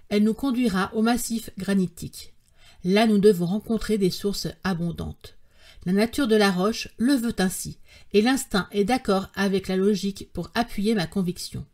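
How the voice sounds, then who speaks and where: A woman voicing a stubborn, fiery old male professor in an audiobook, talking forcefully and insistently. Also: medium pitch, lightly acted. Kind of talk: audiobook character reading.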